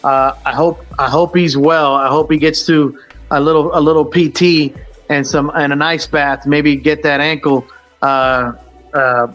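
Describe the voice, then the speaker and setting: A man's voice: fairly high pitch, flat delivery, measured pace, a bit bright, faint music behind. A man hosting a casual sports talk show, rambling with lots of fillers and restarts. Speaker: sports podcast host.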